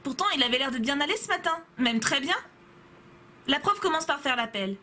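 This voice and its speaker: A woman's voice: high-pitched, lively intonation, a little fast, bright, forceful tone. A young woman playing a story game, reading the dialogue aloud in her own voice and chatting to viewers between scenes. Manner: playful, reads all characters in her own voice, asides to viewers. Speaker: game let's player.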